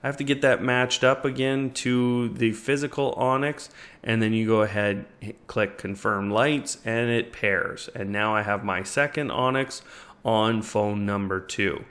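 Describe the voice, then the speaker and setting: A man's voice: fairly low pitch, steady tone, a little slow, fairly bright tone. A man hosting a tech tutorial, explaining a product setup step by step in a casual way. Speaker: tech reviewer and tutorial host. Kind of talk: step-by-step product demo narration.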